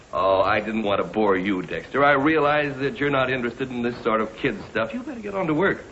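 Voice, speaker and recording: Gentle joking father, lively delivery, muffled old radio show. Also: medium pitch, brisk, a little hiss or hum. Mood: bluffing. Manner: gentle, teasing. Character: fond middle-aged father Harry Archer. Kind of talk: 1940s radio acting. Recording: dull old radio broadcast.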